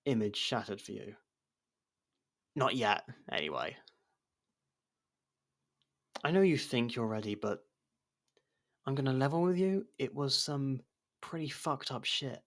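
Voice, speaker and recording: A male voice actor plays a jailed man working a case, blunt and guarded yet wryly supportive. His voice has plenty of gravelly creak at a slightly low pitch. He talks conversationally in ASMR audio drama style, with hesitant pauses. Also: lively intonation. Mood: subdued, bitter.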